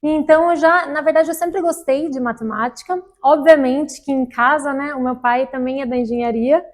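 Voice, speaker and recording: A woman's voice: high voice, normal speed. A woman, a guest engineer speaking unhurriedly with many fillers in a casual interview. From Germany, raised in Brazil.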